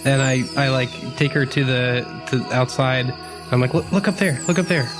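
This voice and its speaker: A man speaks at a medium pitch and moderate pace while playing a tabletop game with friends. He talks casually in character, hesitant, rambling, and slangy, with music playing under his voice.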